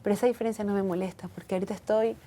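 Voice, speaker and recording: Earnest, reflective woman with a mellow voice. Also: mid-range voice, steady tone, racing, a little hiss or hum. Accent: foreign accent when speaking Hebrew. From from outside Israel. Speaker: interview guest. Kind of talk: reflective personal interview.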